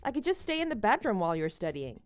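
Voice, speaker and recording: A woman playing a devoted but slightly needy wife in a scripted online story drama, speaking in an expressive, conversational way. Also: mid-range voice, fast talker, no echo, faint music behind, close to an everyday voice. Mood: doubtful.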